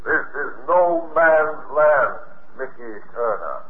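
An actor playing a commanding, menacing Martian who speaks slowly and deliberately in old radio drama style. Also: male voice, mid-range voice, animated, phone-quality sound. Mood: superior, menacing. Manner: slow, deliberate, imperious. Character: commanding, superior Martian man, menacing alien captor. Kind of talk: 1950s radio drama acting. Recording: echoey, band-limited old radio recording.

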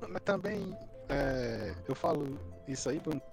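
A man on a remote call, talking casually with halting, repeated words while his audio glitches and cuts out. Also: mid-range voice, lively intonation, gravelly. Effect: glitching, choppy audio dropouts. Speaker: podcast panelist. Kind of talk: casual gaming chat. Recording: call audio cutting out, music behind.

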